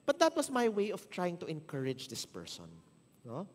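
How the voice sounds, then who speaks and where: A man with a Filipino accent preaching a sermon, telling a story and acting out the dialogue with lively shifts of voice. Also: high-pitched, normal speed, in a large hall. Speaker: pastor. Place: church hall.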